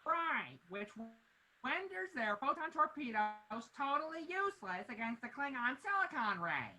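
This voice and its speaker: Casting: woman as keen geek, high lively voice with a bright edge. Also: measured pace, heavily acted, rough recording. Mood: eager. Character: eager nerdy sci-fi fan. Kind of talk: amateur screenplay table read.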